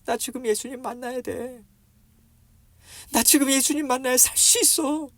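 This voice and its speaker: A male preacher voicing a desperate blind beggar man who cries out for mercy, pleading loudly. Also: fairly even intonation, fairly quick, creaky, dry recording. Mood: urgent. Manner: pleading, crying out loud and high.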